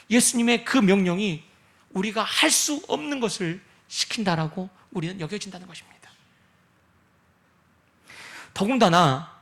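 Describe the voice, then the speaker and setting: A man's voice: very high-pitched, sharp tone. A man preaching a sermon as a pastor, acting out prayers and the words of Jesus with dramatic swings, sometimes dropping to a near whisper.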